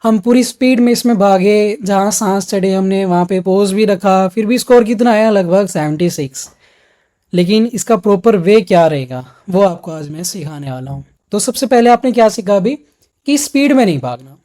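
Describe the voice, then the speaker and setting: A man's voice: high-pitched, moderate pace, warm tone. A man coaching students for an exam in an instructional video lesson, explaining each step directly to the viewer.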